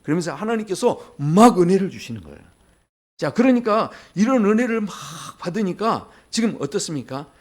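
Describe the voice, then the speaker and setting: A man pastor preaching a sermon in a church, talking straight to the congregation and acting out the voices in the stories he tells. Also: high voice. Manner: lively, acts out voices in quoted dialogue; talks directly to the congregation with questions. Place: church sanctuary.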